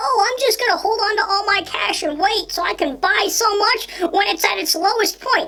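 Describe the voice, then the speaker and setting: A put-on character voice sits at an extremely high pitch. It moves at a moderate pace over light background noise. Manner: affected, mocking.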